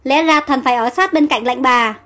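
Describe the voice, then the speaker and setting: A woman's voice: high voice, moderate pace, fairly bright tone. A woman voicing a devoted lady-in-waiting who cries out and pleads. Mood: anxious. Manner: crying out, pleading.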